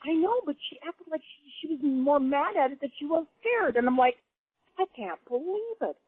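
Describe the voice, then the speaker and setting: A woman guest on a radio talk show telling stories in an animated, laughing way. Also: high voice, normal speed. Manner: animated storyteller, laughs often. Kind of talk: casual radio chat. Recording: dry phone-line call audio.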